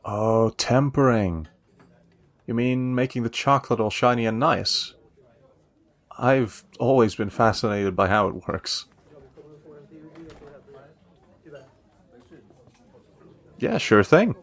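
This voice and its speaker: An actor playing a friendly, protective young café worker in a romance audio roleplay, curious and admiring, gently teasing with hesitant pauses. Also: male voice, mid-range voice, dry recording, close to an everyday voice. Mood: friendly, helpful. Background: soft guitar music.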